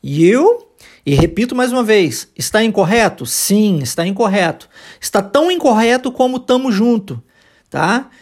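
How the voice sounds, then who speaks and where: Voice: mid-range voice, animated, moderate pace, darkish tone. A teacher with a Brazilian accent hosting an informal language lesson podcast, speaking conversationally and emphatically, with frequent short check-in tag questions. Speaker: English teacher and podcast host.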